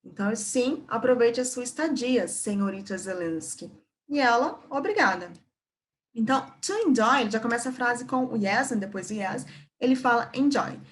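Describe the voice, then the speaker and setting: Woman, Brazilian Portuguese accent, English teacher, patient explaining, fairly high voice. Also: lively intonation, moderate pace. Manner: patient, repeats and checks in with "né?" and "ok?".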